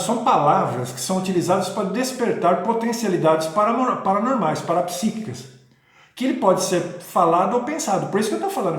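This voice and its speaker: High-voiced man in a very echoey room. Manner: rambling, many restarts and tag questions. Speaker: video host. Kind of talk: casual spoken talk on spirituality.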